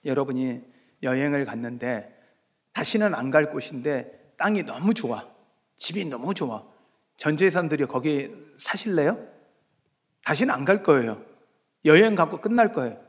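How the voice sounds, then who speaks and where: A male pastor giving a sermon, moving between hushed asides and loud, emphatic exhortation, now and then acting out his listeners in dialogue. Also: a little high, expressive, normal speed, pauses often, breathy edge. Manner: acts out congregants' voices in dialogue. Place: church sanctuary. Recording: long reverb of a church sanctuary.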